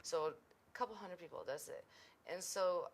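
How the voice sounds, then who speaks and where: A woman's voice: lowish voice, normal speed. A woman guest in a casual talk show conversation, chatty and quoting others in dramatized voices.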